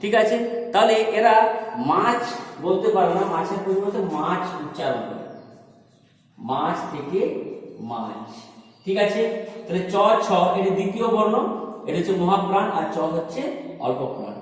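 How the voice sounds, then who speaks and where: Male lecturer, high voice, self-questioning explainer, very echoey room. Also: expressive, moderate pace. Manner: explains step by step, asks and answers his own questions. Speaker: teacher. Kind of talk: recorded lecture. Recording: echoey room with long reverb.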